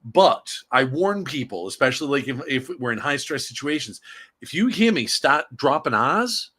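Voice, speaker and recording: Podcast co-host, man, crisp forceful tone, rambly joking delivery, remote call. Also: medium pitch, big pitch swings, moderate pace. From Boston area. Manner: rambling, self-interrupting, jokey. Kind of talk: casual wrestling podcast chat. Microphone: remote streaming call.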